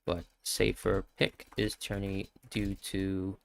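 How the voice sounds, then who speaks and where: A man hosting a live question-and-answer stream, talking quickly as he reads out viewers' questions and answers each one on the spot. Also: low-pitched, completely flat delivery, gravelly. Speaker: fantasy football stream host.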